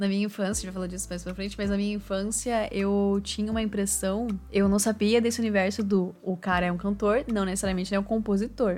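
Fairly quick, flat, monotone delivery with hardly any pauses, amid noticeable background noise. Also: woman, medium pitch for a woman. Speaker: podcast host. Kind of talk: casual chat. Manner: fast, talkative.

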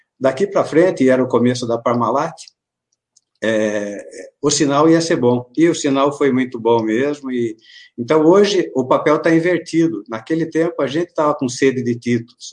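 A man's fairly high voice at a moderate pace, with ordinary pitch variation and an ordinary speaking voice. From São Paulo state interior (Piedade). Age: 50s. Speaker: football fan, show supporter. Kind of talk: casual chat.

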